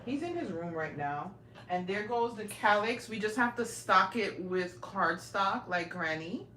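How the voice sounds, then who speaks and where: A woman's voice: medium pitch, expressive, a little slow, sharp tone. Chatty woman in her forties, roomy sound. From raised in Brooklyn, New York. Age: 40s. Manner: chatty, keeps addressing viewers directly. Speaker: livestream host. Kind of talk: casual live-stream tour. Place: indoor home, small rooms. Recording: roomy home audio, faint noise.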